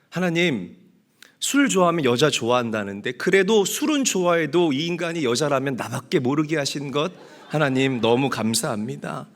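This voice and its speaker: A male pastor preaching a sermon, telling a story and acting out the prayers in it, and calling on the congregation to answer amen. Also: fairly high pitch.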